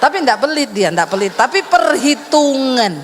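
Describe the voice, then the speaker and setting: A woman pastor preaches a lively sermon. She teases her listeners with rhetorical questions. Long reverb from a large church hall trails her words. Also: sits high, normal speed, slight background noise. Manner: animated, teasing, full of rhetorical questions.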